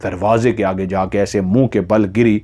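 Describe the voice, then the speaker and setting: A man's voice: on the low side, fairly even intonation, moderate pace, mellow. A man narrating a horror story dramatically, in a suspenseful way, repeating phrases for emphasis.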